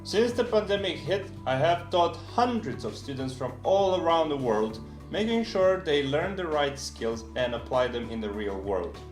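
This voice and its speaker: Upbeat man pitching a course. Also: expressive, moderate pace, few pauses. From Romania. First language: Romanian. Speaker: language tutor. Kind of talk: scripted course promo narration. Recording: roomy promo video with soft guitar.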